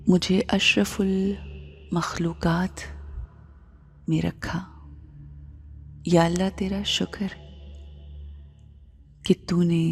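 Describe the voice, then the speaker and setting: A woman with a South Asian accent leads a guided meditation in a measured, hushed way, phrases trailing into a breathy near-whisper. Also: on the low side. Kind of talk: slow, soft Islamic guided meditation. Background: music bed.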